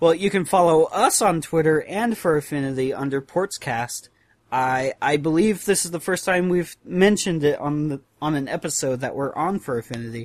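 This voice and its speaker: This man has an ordinary speaking voice, pitched fairly high with ordinary pitch variation. He keeps a moderate pace with hardly any pauses. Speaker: podcast host. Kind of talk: casual interview chat.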